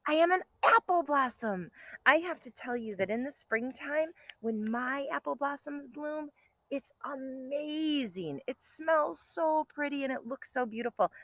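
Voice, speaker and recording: A woman kindergarten teacher reading to young children, enthusiastic and expressive, breaking off for chatty asides and questions to her listeners. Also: high-pitched, measured pace, dry recording. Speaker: kindergarten teacher reading a picture book to pupils.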